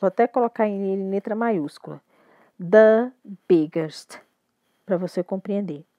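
Brazilian woman teacher, patient explainer, dry close sound, mid pitch. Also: a little fast, dry recording, muffled recording. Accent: Brazilian Portuguese. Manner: patient, repeats and checks understanding. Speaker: English teacher. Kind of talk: explaining grammar.

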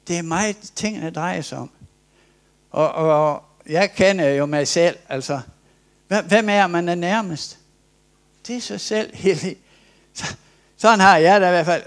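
A male preacher giving a sermon in a church, retelling a story in a hesitant way with frequent restarts. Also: high voice.

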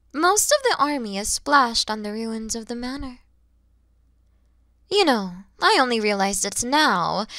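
A woman voicing a huge, kind, motherly dragon who is proud and teasing, in an ASMR roleplay, explaining things gently and patiently. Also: mid-range voice, no echo, clean studio sound. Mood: amused, curious. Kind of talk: ASMR audio roleplay addressed to the listener.

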